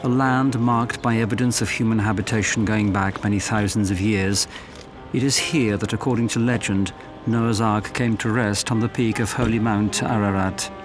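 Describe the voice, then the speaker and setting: A man giving measured, formal scripted narration for a documentary. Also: lowish voice, steady tone. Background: music.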